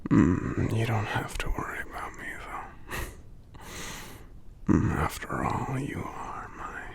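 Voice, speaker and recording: An ASMR roleplay giant, voiced by a man, under the weather and drowsy, whispering tenderly to a lover. The delivery is extremely slow and halting, with soft murmured hums between phrases. The voice is breathy, dropping into low, gravelly tones. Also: expressive, heavily acted. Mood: weary, affectionate. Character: sick, gentle, affectionate male giant lover.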